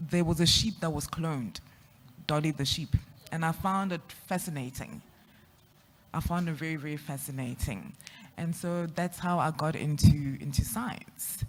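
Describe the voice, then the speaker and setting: Lively South African-accented woman in a hall. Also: low-pitched. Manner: extroverted, lively, quick to laugh. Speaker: panelist. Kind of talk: panel talk about her journey. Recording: echoey hall.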